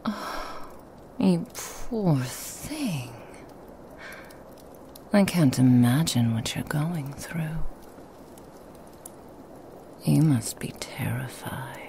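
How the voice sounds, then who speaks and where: A woman plays a sly, menacing Christmas demoness who whispers close to the mic, teasing and insinuating. Her voice is extremely deep and gravelly, and she drawls slowly. It is a dark, unhurried ASMR roleplay. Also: animated, a little hiss or hum, full character voice.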